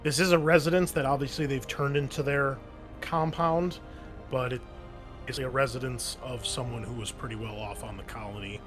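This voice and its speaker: A man's voice: medium pitch, steady tone, normal speed, music in the background. A man narrating a tabletop game as game master, explaining things in an informal, improvised way.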